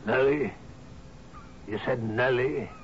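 Man playing a courteous, slow-spoken gentleman. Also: medium pitch, lightly acted. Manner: courteous, formal. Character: polite, smooth-mannered gentleman newcomer arriving by boat. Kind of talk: radio drama acting. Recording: muffled old radio broadcast with clear hiss.

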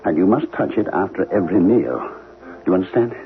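An actor playing a troubled middle-aged professor husband in a 1970s radio drama, speaking in a halting, brooding, portentous way. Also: male voice, low voice, lively intonation. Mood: fearful urgency. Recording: narrow-band, hissy old radio broadcast.

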